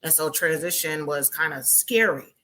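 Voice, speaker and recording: A woman in her forties talks through her years as a soldier in a low, bright, forward voice. She tells her story reflectively, pausing with fillers and restarting phrases as she goes. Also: a little hiss or hum. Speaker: podcast guest, Army combat veteran and author. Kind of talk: conversational interview.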